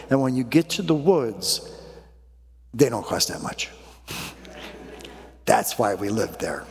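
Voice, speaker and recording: A male pastor tells a folksy, chuckling story from the pulpit to open his sermon. His voice sits in a middle pitch and carries a long reverb from the church hall around him. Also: creaky, darkish tone.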